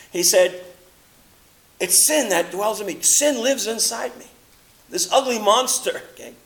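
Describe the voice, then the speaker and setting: A man preaching a sermon, rising into loud, impassioned quotations and dropping into low, quiet asides. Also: low-quality recording.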